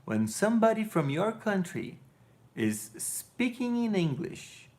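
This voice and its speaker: A man's voice: high-pitched, big pitch swings, slow, a little mellow. A man in his thirties with a Brazilian accent, sleepy and rambling loosely as he answers chat on a live stream from his living room. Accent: Brazilian Portuguese. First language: Portuguese. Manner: loose, digressive, self-correcting, blunt. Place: living room with couch and colored lights.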